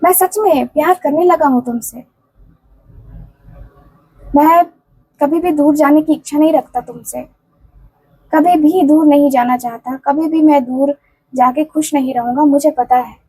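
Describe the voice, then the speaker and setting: High-voiced woman giving an earnest reading. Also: measured pace, pauses often, mellow, rough recording. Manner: earnest, pleading, repetitive, with casual fillers. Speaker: tarot and candle wax reader. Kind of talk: channeled love message in first person.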